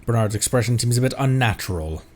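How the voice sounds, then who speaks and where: A man streams a story game, reading dialogue aloud and tossing in jokes. His pitch sits mid-range but swings widely as he talks. His delivery is loose and playful. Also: animated, quick pace. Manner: joking, reads dialogue aloud, laughs often. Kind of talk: casual gameplay commentary.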